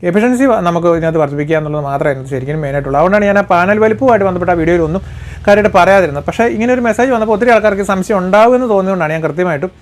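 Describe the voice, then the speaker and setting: A man's voice: high voice, racing. A man explaining solar panels in a casual, rambling way, full of fillers and restarts.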